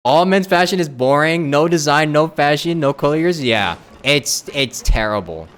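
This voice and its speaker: A man's voice: on the high side, lively intonation, moderate pace, a bit bright, clean tone. A man streaming a game with casual, informal commentary, repeating phrases for emphasis. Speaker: live streamer. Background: game music.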